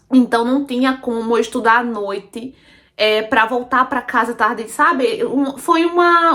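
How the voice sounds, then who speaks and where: A Brazilian woman telling her own story in a casual, chatty way, often calling out to her listeners and repeating phrases for emphasis. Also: fairly high pitch. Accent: Brazilian Portuguese. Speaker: storytelling channel host. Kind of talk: casual first-person storytelling.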